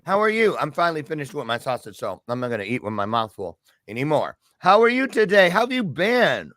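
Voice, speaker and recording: A middle-aged man hosting a casual live-stream talk show, chatty and excitable, with self-deprecating jokes. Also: mid-range voice, fairly quick.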